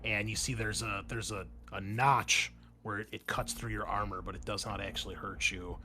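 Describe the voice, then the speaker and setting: A man's voice: fairly low pitch, fairly even intonation, moderate pace, bright, forceful tone, a little hiss or hum. A man running a tabletop roleplaying game as game master, switching between vivid descriptive narration and casual rulings.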